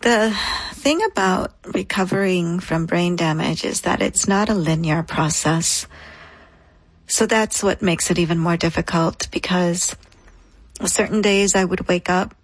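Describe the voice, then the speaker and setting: An earnest woman in her thirties tells her own story as an interview guest, in short, reflective phrases. Her voice sits a little low with a husky edge. The sound is close and dry. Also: dry recording, low-quality recording.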